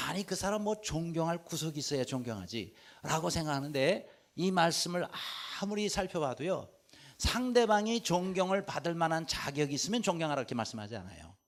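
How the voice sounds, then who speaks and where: Male pastor preaching, lively up-and-down voice, a bit high, acts out the dialogue in his story. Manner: animated storytelling, acting out quoted dialogue. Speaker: senior pastor. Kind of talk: sermon.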